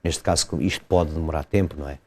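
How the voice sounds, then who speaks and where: A man, a lawyer explaining a legal case step by step in an interview, pausing and hesitating often. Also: extremely low pitch, darkish tone. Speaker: lawyer commenting as guest.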